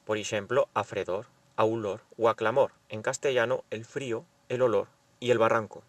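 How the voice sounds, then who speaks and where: A man's voice: fairly low pitch, steady tone, normal speed, no echo. A man presenting a language lesson, carefully reading out rules and example words. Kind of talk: scripted lesson narration.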